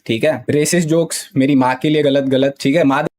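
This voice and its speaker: A man's voice: mid-range voice, steady tone, fairly quick, a little mellow. A young man with an Indian accent talks to his stream chat, heated and defensive, often repeating the same filler. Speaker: gaming streamer. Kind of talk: live stream talk to chat.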